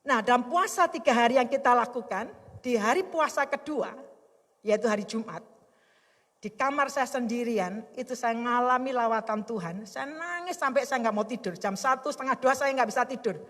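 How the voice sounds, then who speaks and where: High-voiced woman pastor in a reverberant hall. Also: lively intonation, moderate pace, a bit bright. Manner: emphatic, heartfelt preaching. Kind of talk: sermon. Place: worship service in a hotel hall.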